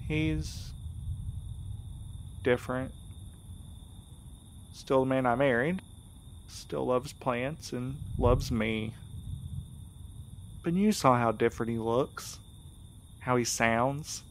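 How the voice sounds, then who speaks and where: An actor playing a wry, skeptical courier in an audio drama, with a casual way of talking. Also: male voice, medium pitch, slow pace, pauses often, slight background noise. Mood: tender, troubled. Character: wry, skeptical male courier, anxious devoted husband.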